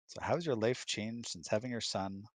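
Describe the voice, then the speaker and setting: A man talking casually in a question-and-answer chat, explaining things in a thoughtful, halting, emphatic way. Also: on the low side, slight background noise. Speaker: husband co-hosting a live Q&A. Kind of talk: casual conversational advice chat. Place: close-miked online voice chat, dry.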